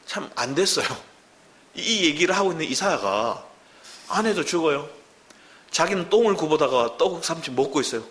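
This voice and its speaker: A male pastor giving a sermon in a church, preaching in an animated way and often asking the congregation rhetorical questions. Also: high voice.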